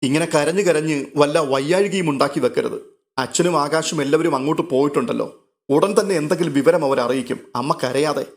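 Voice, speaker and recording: A man voicing a calm young woman consoling her crying mother. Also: fairly high pitch, fairly quick, natural voice. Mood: coaxing. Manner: coaxing.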